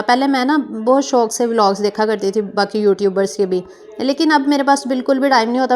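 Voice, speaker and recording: A young woman from Pakistan, narrating her cooking vlog in a chatty, meandering way full of fillers and self-corrections. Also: a little high. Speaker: cooking vlogger.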